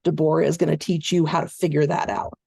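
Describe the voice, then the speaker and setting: A woman coaching voice-over students in an online training session, explaining in a steady conversational way. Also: low-pitched, quick pace, vocal fry, slightly rough, no room sound, studio quality.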